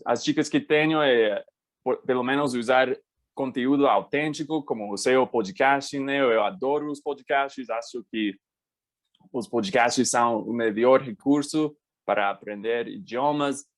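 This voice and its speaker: Guest voice: American man, native English speaker, mid-pitched, halting second-language delivery. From United States. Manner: halting, restarts words while searching. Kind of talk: casual interview.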